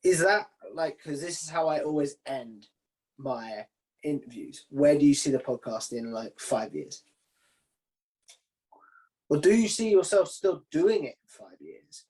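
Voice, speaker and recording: A man's voice: fairly high pitch, expressive, a little slow, a little mellow, husky, rough recording. A man hosting a casual interview in an informal, conversational way. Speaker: interview host.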